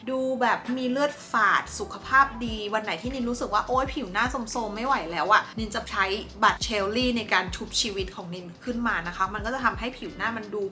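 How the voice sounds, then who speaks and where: Bright-voiced chatty Thai beauty vlogger woman. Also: mid-range voice, a little fast, few pauses. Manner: chatty and playful, slips into mock-dramatic asides. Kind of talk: casual product review chat. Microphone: compact camera mic.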